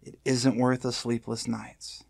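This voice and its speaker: Slow, haunted veteran federal agent played by a man. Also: mid-range voice, little pitch movement, gravelly, a little mellow, no room sound. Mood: earnest, pleading. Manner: halting, grave, pleading. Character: weary, haunted senior male FBI agent. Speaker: voice actor in audio drama. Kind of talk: audio drama acting.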